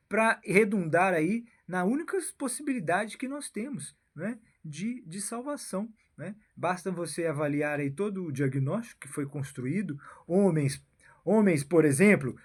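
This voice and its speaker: A Brazilian-accented political commentator with a husky, somewhat high voice delivers a rambling monologue. He keeps tagging phrases with a questioning "né?" and "meu filho" (my son), speaking haltingly and often repeating and restarting phrases.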